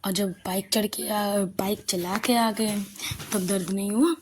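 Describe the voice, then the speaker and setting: A quiet, firm young schoolteacher who keeps her voice low and even, chiding gently and then softening, as a woman narrator puts her on. The voice is a middle-pitched female voice. Faint noise sits behind it. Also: a little slow, natural voice. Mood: gentle scolding.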